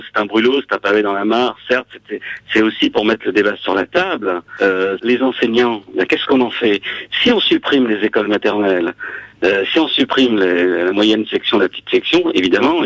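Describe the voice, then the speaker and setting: Man with a voice-changer-disguised low voice. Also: fairly bright tone, no echo, poor audio. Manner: earnest, argumentative, hesitant with repeated words. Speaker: school inspector, anonymous author guest. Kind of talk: studio interview answers.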